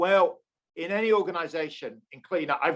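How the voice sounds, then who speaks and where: This man has a British accent and a high voice with a bright, sharp tone. He speaks at a moderate pace. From Britain. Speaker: economics professor. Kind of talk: lecture. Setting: conference lecture.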